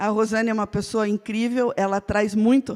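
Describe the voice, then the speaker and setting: A woman's unremarkable speaking voice, fairly high in pitch and at a fairly slow pace, in a dry, close sound with no echo. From Brazil, Ukrainian-speaking family. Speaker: professor. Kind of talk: panel talk. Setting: stage with audience.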